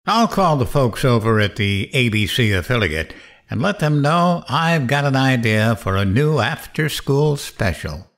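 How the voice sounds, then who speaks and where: An actor playing a cocky, vengeful late-night radio host, sardonic and goading, in dramatic narration and interview. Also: male voice, medium pitch, very animated, a little slow, a bit bright. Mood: mocking.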